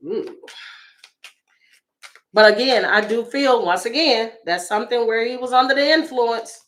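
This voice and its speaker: A woman with a slightly raspy voice, chatting through a tarot reading for her viewers with exclamations and asides. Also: fairly high pitch, unhurried, a bit bright. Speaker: tarot reader.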